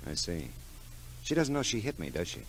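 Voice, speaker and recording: Low-voiced hard-boiled American private eye. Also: male voice, very animated, fairly quick, a little hiss or hum. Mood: wry, groggy. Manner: dry, sardonic, laconic. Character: wry, hard-boiled male private detective, world-weary. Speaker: lead actor and first-person narrator. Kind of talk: 1940s radio detective drama acting. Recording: vintage radio recording with music behind.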